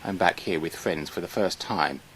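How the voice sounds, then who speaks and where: A man's voice: deep voice, moderate pace, background noise. A man giving scripted first-person documentary narration. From Britain. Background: music.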